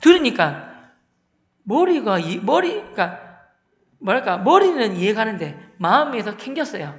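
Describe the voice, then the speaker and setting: A man gives a humorous testimony as a church deacon. He acts out every exchange in lively storytelling, jumping into loud outbursts, and his voice sits unusually high. A church hall around him adds a long, roomy reverb. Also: moderate pace.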